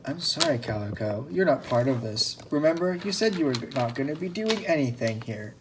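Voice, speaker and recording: A man hosting a comedy podcast as an excitable potato host, brash and bossy. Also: mid-range voice, distant mic, noisy background. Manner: brash, bossy and quick to bicker. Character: excitable male potato talk-show host.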